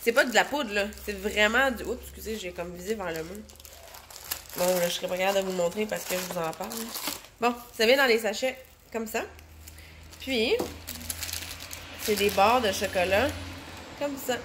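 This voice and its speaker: A Québécois woman in her thirties vlogs from her phone at home, with a nasal, stuffed-up voice from a cold. Her voice sits at an average pitch. She rambles casually and fills her pauses often, against a faint room hum. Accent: Québécois French. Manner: chatty, rambling, lots of fillers. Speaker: vlogger, stay-at-home mom. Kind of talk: casual chat to camera. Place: home, indoors. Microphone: handheld phone.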